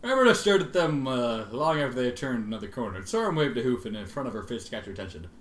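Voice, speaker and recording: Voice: mid-range voice, big pitch swings, quick pace. A reader giving a theatrical, foul-mouthed comedic reading of fan fiction, breaking into exasperated commentary. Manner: foul-mouthed, exasperated outbursts between read passages. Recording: echoey untreated room.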